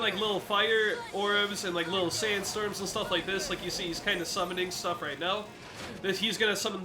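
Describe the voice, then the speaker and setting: A congested man giving let's play commentary, explaining a game boss fight step by step to viewers. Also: sits high. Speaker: gaming commentator.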